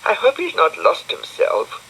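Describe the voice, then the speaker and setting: A man voicing a brisk, bossy young girl in a high, urgent, chiding voice. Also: wildly swooping pitch, sharp tone, breathy edge, heavily acted, rough recording. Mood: urging.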